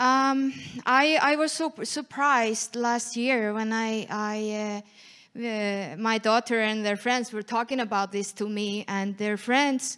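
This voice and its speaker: A woman with an Icelandic accent speaks at a very slow pace yet hardly pauses, her fairly high voice bright and sharp in tone with ordinary pitch variation, over a quiet background. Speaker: editor, audience member; audience member. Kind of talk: audience question. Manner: halting. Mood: earnest, concerned. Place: hall. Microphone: handheld.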